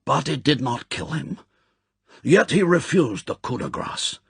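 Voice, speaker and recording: Man acting a proud, ceremonious Japanese spymaster, swooping pitch. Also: big pitch swings, measured pace, creaky, a bit bright, slightly rough, no room sound, full character voice. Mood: solemn, fervent. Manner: formal, stilted, courtly phrasing.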